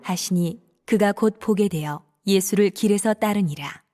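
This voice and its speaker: A woman narrating scripture from a script in a measured, formal manner. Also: mid-range voice, mellow. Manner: measured, formal read delivery.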